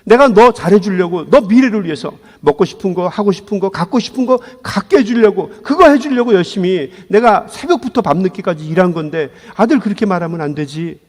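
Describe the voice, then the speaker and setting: A man's voice: sits high, lively intonation, fairly quick, hardly any pauses, long reverb tail. A man acting out a hardworking middle-aged father who pleads with his son and then apologizes. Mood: pleading. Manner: pleading, insistent.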